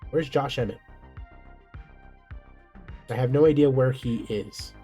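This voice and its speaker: A man hosts a gaming series, running through simulated fight results in a relaxed, conversational way. His pitch sits in an ordinary middle range, and he drops offhand asides as he goes. Faint music plays underneath. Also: slow pace. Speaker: video game series host. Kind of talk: casual commentary on a simulated MMA career.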